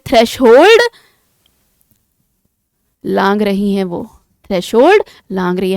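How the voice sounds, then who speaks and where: Smooth-voiced woman teaching vocabulary. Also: a little high, dry recording, studio quality. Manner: explains patiently, repeating words and asking rhetorical check questions. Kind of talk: exam-prep vocabulary lesson.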